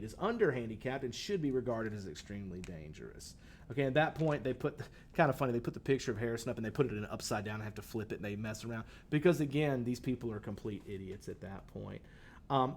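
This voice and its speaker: A male teacher with a medium-pitched, slightly mellow voice gives a casual classroom lecture on a short story. He talks conversationally, with many fillers and restarts, and there is slight background noise.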